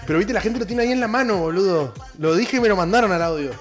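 A man with an Argentine accent in an excitable casual chat as a podcast host. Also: sits high, fast, faint music behind.

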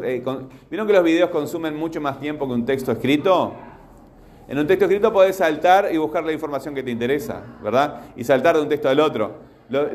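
A man's voice: a little high, a little mellow. A man teaching a class, patiently questioning his students as he goes. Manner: patient, asks the class repeatedly.

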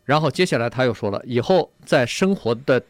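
Steady male radio co-host, dry studio. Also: mid-range voice, no echo. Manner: relays points from an article, agreeable and measured. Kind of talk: casual radio discussion.

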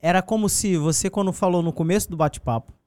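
Male podcast host, high and smooth voice, chatty and emphatic, dry room. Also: fast, a little mellow, dry recording. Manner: chatty, emphatic, repeats himself. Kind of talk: casual interview chat.

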